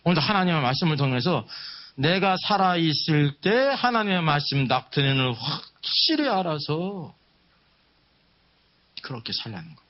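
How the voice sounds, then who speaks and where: A man delivers a sermon in a fairly high voice that swings widely in pitch. He teaches emphatically, posing questions to his listeners and repeating key phrases, on a somewhat dull, lo-fi recording. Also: very animated, moderate pace. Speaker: preacher leading a Bible seminar. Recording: dull, muffled lo-fi sound.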